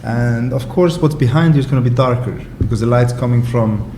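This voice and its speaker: An Icelandic man talks easily as a podcast guest over a restaurant lunch, often laughing and starting his sentences over. His voice sits at an ordinary middle pitch. The room is echoey and busy with restaurant noise. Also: a little fast. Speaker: photographer and writer, podcast guest. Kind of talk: casual conversation over lunch. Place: restaurant table.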